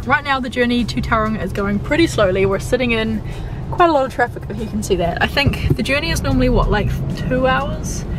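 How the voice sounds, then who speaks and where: A woman talks at a very fast pace in a dry sound with no echo, with noticeable background noise. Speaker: travel vlogger. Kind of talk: casual vlog chat. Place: car. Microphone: phone near.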